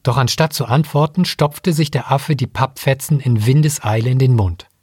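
A man reading a story aloud in scripted narration, with even storytelling. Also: medium pitch, moderate pace, husky, dry recording, studio quality. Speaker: audiobook reader.

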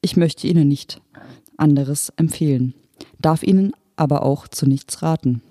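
A reader voicing an unfeeling hologram official who speaks in a calm, matter-of-fact, bureaucratic manner. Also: medium pitch, measured pace, no echo, studio quality, natural voice. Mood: detached. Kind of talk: audiobook character voice.

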